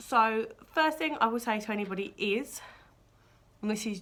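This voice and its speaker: In a British accent, a woman speaks at a fairly slow pace with a bright, sharp tone. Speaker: vlogger. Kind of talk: casual vlog update. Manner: hesitant, many fillers.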